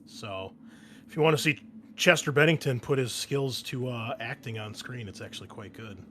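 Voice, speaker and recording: A man's voice: medium pitch, normal speed, pushed and bright. A man hosting a tabletop gaming podcast, chatting informally and enthusiastically with his players as game master. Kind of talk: casual podcast intro and chat with players. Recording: noisy home podcast recording. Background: clear background noise and ambience.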